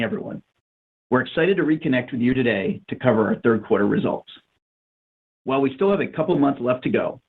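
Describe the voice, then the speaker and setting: Male CEO, husky mid-pitched voice, scripted investor remarks, phone-line sound. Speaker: chief executive officer. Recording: muffled narrowband phone line.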